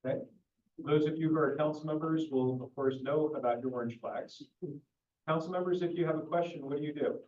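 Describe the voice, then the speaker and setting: A man acting as mayor, opening a public council meeting. He talks slowly and projects his voice without yelling, with no microphone in a meeting room. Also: on the high side, steady tone. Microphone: no microphone, picked up from a distance. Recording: echoey, distant, dull sound.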